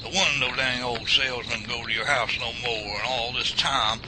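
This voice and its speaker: An actor playing a gruff, bossy old Southern man, a hard-of-hearing veteran, with a folksy rural Southern US drawl in a radio drama. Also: mid-range voice, fairly even intonation, normal speed, heavy background noise, lightly acted. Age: older. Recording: loud night crickets behind.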